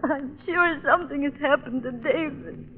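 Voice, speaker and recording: A woman's voice: sits high, moderate pace, phone-quality sound, a little hiss or hum, close to an everyday voice. An actress playing an anxious, tearful young woman, faltering and melodramatic, in 1940s radio style. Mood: tearful, fearful. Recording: echoing, thin vintage radio recording.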